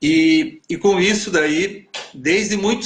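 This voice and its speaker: The man's voice sits high for a man and swings very widely in pitch. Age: 60s. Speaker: spiritual mentor and event organizer. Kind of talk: live stream conversation. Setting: online live stream. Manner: halting.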